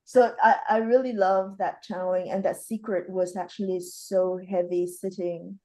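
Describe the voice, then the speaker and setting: Animated woman in spiritual chat, mellow voice. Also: lowish voice, moderate pace. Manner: animated, laughs often. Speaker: podcast co-host, healer. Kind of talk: casual conversation.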